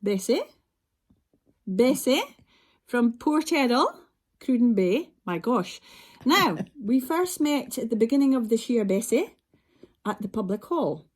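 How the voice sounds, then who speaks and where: Woman, Doric north-east Scottish accent, fairly high voice, informal interviewer, chatty, encouraging. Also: lively intonation, unhurried, long pauses. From north-east Scotland. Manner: chatty, encouraging, often repeating and affirming.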